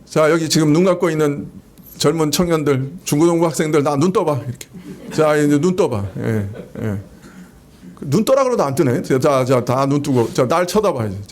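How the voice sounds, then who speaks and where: A man preaches a Sunday sermon from a church pulpit. His voice sits high for a man. He speaks conversationally and keeps turning to the congregation with rhetorical questions. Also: animated, normal speed, darkish tone, slight background noise. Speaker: pastor. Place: church sanctuary.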